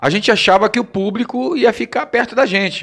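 The speaker is a man. He talks at a moderate pace. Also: quiet background. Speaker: guest. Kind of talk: interview answer. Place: studio. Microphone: studio mic.

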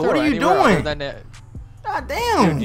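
A man is speaking. Music plays behind him. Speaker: video game player. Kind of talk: casual slang. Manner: trash-talking, sarcastic.

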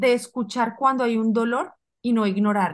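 At a moderate pace, a woman speaks in a fairly high pitch over a quiet background. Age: 30s. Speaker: health coach and author; health coach. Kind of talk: interview. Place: home room. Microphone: video call.

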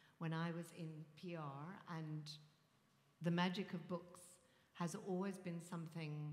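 With audible room echo, a woman speaks at a fairly low pitch and fairly slow pace in a flat monotone. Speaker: event host. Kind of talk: event introduction speech. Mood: warm, humorous. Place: hall. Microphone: podium.

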